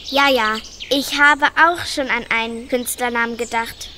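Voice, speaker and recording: A woman's voice: a little high, steady tone, measured pace, background noise, close to an everyday voice. A woman playing Little Red Riding Hood as a chatty, eager young girl in a children's radio play.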